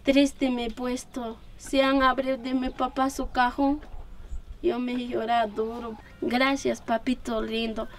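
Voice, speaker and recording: A middle-aged woman from the Ayacucho region with an Andean Peruvian Spanish accent, giving a halting personal testimony in simple phrasing. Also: sits high, little pitch movement. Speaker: relative of a disappeared man, giving testimony.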